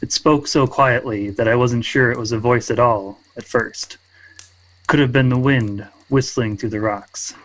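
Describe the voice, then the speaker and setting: A man's voice: medium pitch, steady tone, a little slow, low-quality recording. A man playing in a tabletop game podcast, narrating his character's story and actions.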